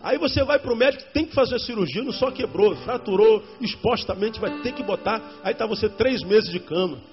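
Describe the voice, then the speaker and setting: Man, high lively voice, preaching, dull recording with faint music. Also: brisk. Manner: animated preaching, repeats lines for emphasis, addresses congregation directly. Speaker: pastor. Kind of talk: sermon.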